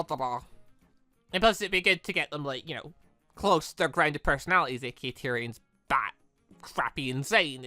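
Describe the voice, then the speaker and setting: A gaming video host rambling casually and excitably through fan opinions while commentating on a game. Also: mid-range voice, no echo.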